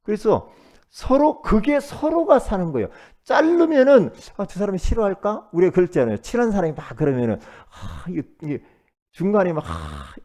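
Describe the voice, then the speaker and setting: A man preaching as pastor, moving between loud emphatic bursts and low asides, and at times leading the congregation in repeating his words. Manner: calls the congregation to repeat after him. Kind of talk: sermon.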